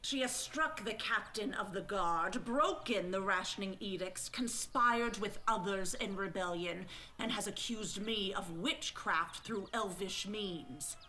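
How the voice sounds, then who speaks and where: A woman's voice: mid-range voice, unhurried, pushed and bright, a little hiss or hum, low-quality recording. A woman playing a villainous older village elder and secret witch in an audio drama, speaking in formal, theatrical, menacing oratory. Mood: grave oratory.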